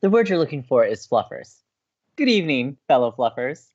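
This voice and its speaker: A man's voice: medium pitch, big pitch swings, brisk, darkish tone, highs cut off. A man playing an upbeat, teasing college radio co-host in an audio romantic comedy, with a playful, breezy manner.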